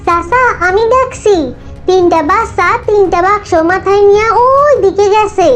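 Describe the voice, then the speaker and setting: Tiny squeaky talking bird. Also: female voice, normal speed, faint music behind. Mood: eager, earnest. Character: tiny eager talking bird, childlike witness. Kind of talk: cartoon dub.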